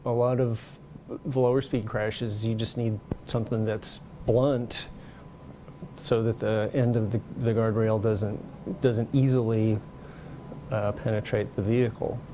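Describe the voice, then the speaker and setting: Low, mellow man, halting delivery. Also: flat delivery. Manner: halting, plain-spoken. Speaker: city engineer interviewee. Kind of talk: unscripted interview answer. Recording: faint background noise.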